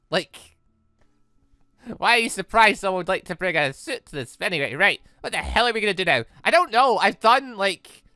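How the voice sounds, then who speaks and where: A gaming YouTuber giving casual, rambling, expressive let's play commentary on a visual novel, speaking emphatically. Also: mid-range voice, no echo, clean studio sound. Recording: game music playing behind voice. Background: visual novel game music.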